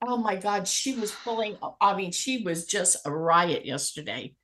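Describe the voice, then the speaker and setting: A woman's voice: mid-range voice, normal speed, a little hiss or hum. A middle-aged woman, a spiritual healer, telling a story in a casual chat with frequent laughter. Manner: animated anecdote-telling, laughs often. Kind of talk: casual storytelling on a talk show.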